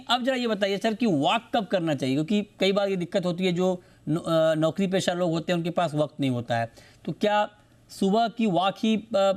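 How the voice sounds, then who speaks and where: A male TV host interviewing doctors in a studio panel, asking long questions and addressing his guests as sir. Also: high-pitched. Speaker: TV show host.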